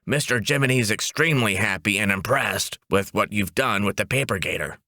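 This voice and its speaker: A man voicing a brisk, wisecracking female ad agency boss in a comic audiobook, with a breezy, emphatic manner. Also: lowish voice, pushed and bright, no room sound, studio quality.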